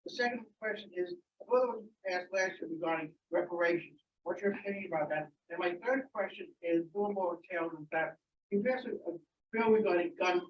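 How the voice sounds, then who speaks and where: Audience questioner, rushed run-on delivery, muffled sound with background noise. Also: medium pitch. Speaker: audience member asking questions. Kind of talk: public question at a meeting. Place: indoor community meeting room. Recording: echoey, muffled, noisy room, far from mic.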